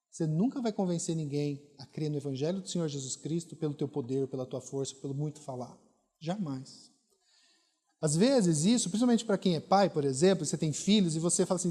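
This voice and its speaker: A man's voice: on the high side, dark tone. A middle-aged Brazilian man with a Brazilian Portuguese accent, a pastor preaching a sermon with emphatic, repeated rhetorical questions. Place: church hall. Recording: long hall reverb.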